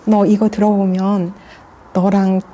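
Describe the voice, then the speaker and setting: A middle-aged woman casually telling a story in a conversation, lively and often laughing, acting out what others said. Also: mid-range voice, measured pace, slight background noise. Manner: animated storytelling, laughs often, acts out quotes. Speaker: guest, meditation student.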